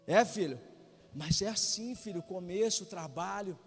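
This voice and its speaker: A man with a Brazilian Portuguese accent voicing a soft-hearted mother gently scolding her son, in a quiet, coaxing tone. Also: high voice, normal speed. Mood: gentle scolding. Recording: reverberant church hall with faint music.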